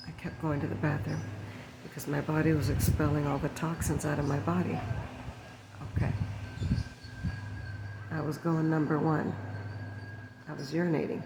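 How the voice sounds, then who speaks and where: A woman shares a personal story in a relaxed ASMR vlog, speaking softly and slipping into whispers now and then. Her voice has a gravelly edge and stays level in pitch. A steady hiss of noise runs under the recording. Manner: soft, unhurried storytelling to viewers with drifts into whispers. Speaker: ASMR channel host. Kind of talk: story-time ASMR chat. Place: sitting indoors at home.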